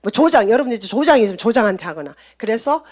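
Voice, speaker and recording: A woman's voice: on the high side, big pitch swings, very fast, a little mellow. A middle-aged woman pastor with a Gyeongsang Korean accent, preaching a sermon in a chatty way and acting out sample prayers.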